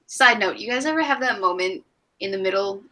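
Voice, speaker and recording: A woman's voice: mid-range voice, expressive, a little fast, pushed and bright. A woman in her twenties hosting a casual live stream, rambling and laughing at herself. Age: 20s. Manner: giggly, rambling, self-mocking. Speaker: stream host.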